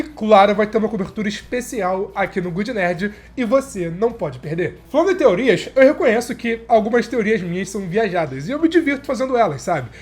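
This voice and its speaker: Brazilian man, sick and stuffy, husky voice, chatty series review host. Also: high-pitched. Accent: Brazilian Portuguese. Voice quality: nasal, stuffy. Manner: chatty, enthusiastic, addresses viewers as "cara". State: sick, congested nose and sore throat. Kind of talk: casual video commentary.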